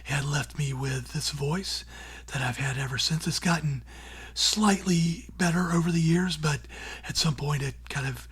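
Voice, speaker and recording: Raspy, breathy man speaking almost in a whisper. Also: on the high side, normal speed, a bit bright. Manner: earnest and plainspoken, with many "you know" and "like" fillers. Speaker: radio show host and former newspaper columnist. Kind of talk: reflective interview answers.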